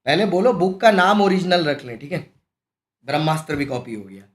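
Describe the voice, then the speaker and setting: A man teaching a live-streamed exam-prep class, animated and scolding, full of rhetorical questions. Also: on the high side, a little fast. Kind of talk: lively live-streamed lecture. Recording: echoey room.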